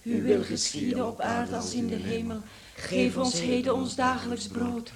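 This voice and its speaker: A woman's voice: fairly high pitch, level tone, moderate pace, a loud crowd, lightly acted. An actress playing a pious, sorrowful woman in a radio play, speaking solemnly and plaintively. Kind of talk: Dutch radio play acting.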